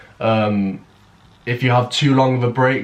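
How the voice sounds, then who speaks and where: Intonation stays monotone and flat as a man talks with an English accent. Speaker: architecture student youtuber. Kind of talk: casual Q&A vlog. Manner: fast; loud.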